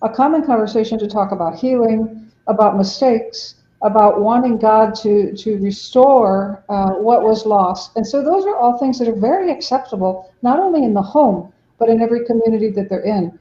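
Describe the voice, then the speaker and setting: A fairly high-voiced woman with a dark, mellow tone speaks earnestly as a podcast guest, acting out the words of the people she describes. Her audio sounds roomy and a little dull, as from a remote connection. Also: normal speed, few pauses. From Mexico. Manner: earnest, explanatory, acts out quotes. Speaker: ministry director, guest. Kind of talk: podcast interview.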